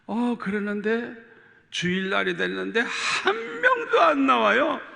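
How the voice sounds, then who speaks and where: Middle-aged male pastor, very gravelly and bright, testimony sermon in a long reverberant hall. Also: extremely high pitch, animated, measured pace. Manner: emphatic, storytelling, repeats words for stress.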